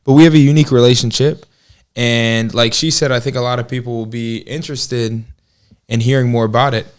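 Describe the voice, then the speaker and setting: A talkative, joking American man in his twenties from Georgia co-hosts a casual podcast about relationships. His mid-range voice holds a steady tone and moves a little fast, sounding clear and resonant.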